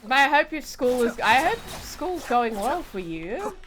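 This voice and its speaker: A woman's voice: high-pitched, big pitch swings, a little slow. A woman chatting casually on a gaming livestream, playful and often repeating her phrases. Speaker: game streamer.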